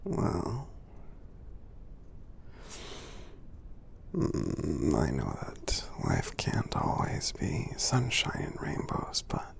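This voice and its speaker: A man voicing a friendly, kindly giant in an ASMR roleplay, speaking softly and breathily with a gravelly edge, in a tender, halting, encouraging way. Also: sits low, full character voice. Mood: gentle, reassuring. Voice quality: soft, breathy, half-whispered, gravelly. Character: gentle friendly male giant, kindly and reassuring.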